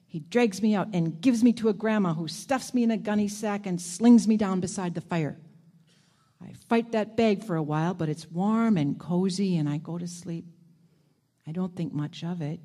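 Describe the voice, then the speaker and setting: A woman reading aloud as a clever, proud old male dog, in a plain, unhurried storytelling voice. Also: lowish voice, warm tone.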